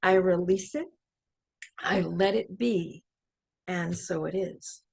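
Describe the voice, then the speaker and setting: A woman minister leading a spoken affirmative prayer in a slow, deliberate, incantatory way. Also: lowish voice, creaky, a little mellow, slightly rough.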